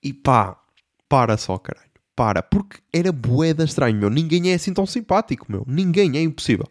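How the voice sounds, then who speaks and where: A man's voice: a little high, sing-song, fairly quick, dry recording, studio quality. A young man with a European Portuguese accent, telling a comic story as a podcast host in a slangy, exasperated way and swearing often. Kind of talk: comedic storytelling monologue.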